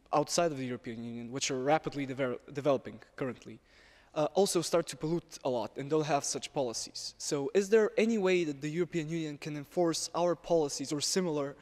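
A man's voice: on the high side, a little mellow. A young man, putting a question to a panel as a student. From Bulgaria. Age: young adult. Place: large parliament chamber. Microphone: desk microphone, standing. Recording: echoey large hall, long reverb.

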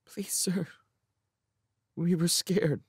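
A man's voice: mid-range voice, wildly swooping pitch, slow, a bit bright, dry recording, clean studio sound, voice pushed up, heavily acted. A man voicing a frightened but defiant young girl who pleads, in a dramatic audiobook reading. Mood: timid pleading.

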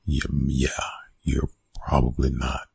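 A man playing a gruff, reluctant young college bully in an ASMR roleplay, talking in a hushed, halting, casual way. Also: a bass voice, monotone, slight background noise, full character voice. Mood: casual, warming up. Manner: hushed, halting, casual, often breathy whispering. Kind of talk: ASMR roleplay, intimate one-sided dialogue.

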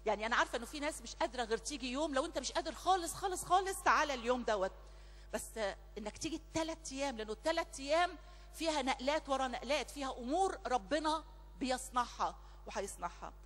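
A woman's voice: high voice, expressive, very fast, a bit bright. A woman with an Egyptian Arabic accent leading a church prayer meeting, speaking emphatically and repeating her phrases fervently. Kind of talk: church announcements and spoken prayer. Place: large church hall. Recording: long church reverb, faint music behind.

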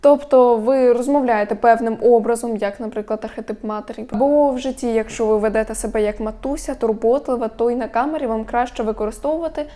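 Young female vlogger, instructive and steady, warm dark tone, slightly high pitch. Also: fast, few pauses. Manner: instructive, steady, lists points one by one. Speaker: media coach vlogger. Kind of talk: explanatory talk to camera.

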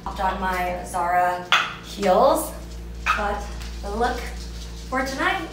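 A young woman chatting casually to camera in a vlog, her voice hoarse and worn after days of nonstop talking, upbeat, with lots of "like" fillers. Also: medium pitch, expressive, slow, over loud music, low-quality recording. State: hoarse, voice partly lost. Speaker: lifestyle vlogger. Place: hotel room and home bedroom, indoors. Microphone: camera facing her at arm's length.

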